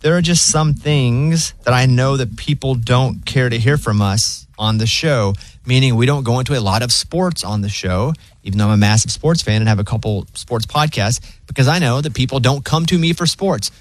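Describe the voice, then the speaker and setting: A man's voice: medium pitch, normal speed, few pauses, dry recording. A man with a Southern accent hosting a radio show, talking in a laid-back, joking, plainspoken way. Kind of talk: casual radio banter.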